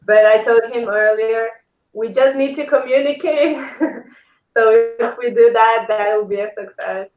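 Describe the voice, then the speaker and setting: Female podcast guest, Brazilian accent, Portuguese native, highish voice, casual interview chat in a roomy space. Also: a little slow. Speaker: podcast guest, house-building company founder. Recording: roomy echo, dull lo-fi call audio.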